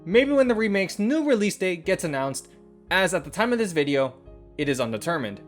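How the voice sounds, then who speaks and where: A video host narrating a scripted review in a measured, first-person commentary style. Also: medium pitch, big pitch swings. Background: background music.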